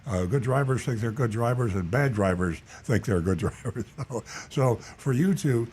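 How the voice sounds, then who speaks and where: A man hosts a live car talk show in an ordinary mid-range voice. He talks slowly and reflectively, doubling back on his words, with a faint hiss underneath. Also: medium pitch, lively intonation, darkish tone. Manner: thoughtful, halting, repeats words as he thinks. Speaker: host. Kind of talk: radio talk show chat.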